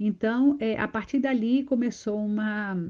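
This woman has a Spanish accent. She talks fairly slowly. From Colombia. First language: Spanish (speaking Portuguese). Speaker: actress. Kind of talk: interview.

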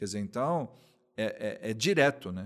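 On a very clean recording with a silent background, a man talks in a normal speaking voice at medium pitch. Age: 60s. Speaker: company board chairman and data officer. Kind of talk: interview.

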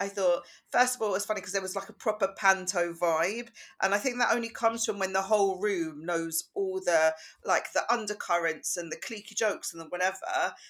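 Here is a woman with an ordinary speaking voice at a medium pitch. She moves at a moderate pace with ordinary pitch variation. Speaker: comedian and podcast co-host. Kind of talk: casual chat.

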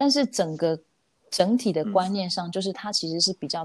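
A woman's normal speaking voice at medium pitch, lively intonation and a moderate pace, in dry, close sound with no echo. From Taiwan. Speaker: guest sharing life experience. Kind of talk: casual chat. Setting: remote recording.

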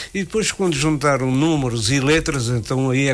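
Noticeable background noise sits behind a man's voice. His pitch is medium and varies in an ordinary way. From Portugal, Pinhal Novo (Setúbal). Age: 60s. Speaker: local community activist. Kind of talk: radio interview. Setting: radio studio. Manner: halting.

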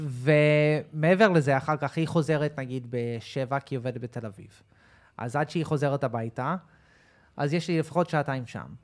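Speaking in an American accent at a moderate pace, the man has a fairly high pitch with ordinary variation. The recording is very clean, with a silent background. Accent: American accent in Hebrew. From Israel (Rehovot), born in Los Angeles. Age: 30s. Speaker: podcast guest. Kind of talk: casual chat.

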